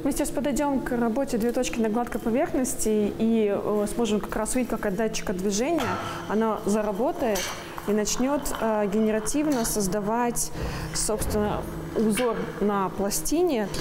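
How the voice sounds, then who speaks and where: This woman's fairly high voice keeps a very even loudness and ordinary pitch variation at a moderate pace, with noticeable background noise behind her. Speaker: exhibition guide or curator. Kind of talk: guided tour. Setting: art exhibition hall. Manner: hesitant, many filler sounds. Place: hall. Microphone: lapel.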